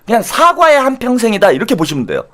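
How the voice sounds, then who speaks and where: A man hosting his own channel, telling a self-mocking satirical monologue, dropping to low asides and rising to loud outbursts. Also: fast. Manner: animated, self-mocking, jumps between low asides and loud mock-quotes. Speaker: channel host.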